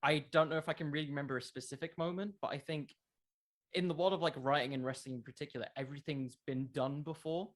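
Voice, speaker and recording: A man's voice: a little high, fairly even intonation, fast talker. A young man talking casually as an interview guest, explaining things earnestly in a rambling way. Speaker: interview guest, wrestling content creator.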